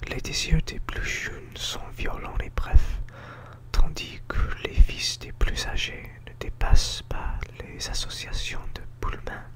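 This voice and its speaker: Whispering at a very slow pace, a man shows big swings in loudness over noticeable background noise. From United States. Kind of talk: book reading. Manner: whispered.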